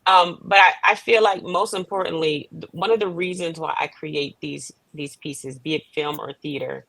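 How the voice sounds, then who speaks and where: A woman with a fairly low voice speaks as a guest in a casual panel interview. The sound is very dry, with no room echo, and she goes haltingly, repeating and reworking her phrases. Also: fairly even intonation, creaky, fairly bright tone. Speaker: writer and director, interview guest.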